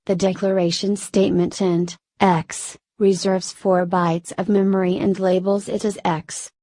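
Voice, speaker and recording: A woman's voice: medium pitch, a little slow, dry recording. Dry, robotic-sounding woman tutor. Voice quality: flat, synthetic-sounding delivery. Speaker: programming tutor. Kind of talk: scripted tutorial narration.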